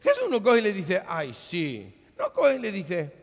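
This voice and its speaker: Animated preaching man in a reverberant hall. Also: high-pitched, unhurried. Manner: animated preaching, acts out biblical dialogue. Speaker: pastor. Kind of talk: sermon. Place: church hall. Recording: long reverb of a large hall.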